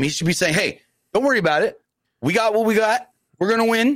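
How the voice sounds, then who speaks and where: Very fast in pace, a man talks at a high pitch. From Puerto Rican heritage. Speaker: wrestling podcaster. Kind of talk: casual chat.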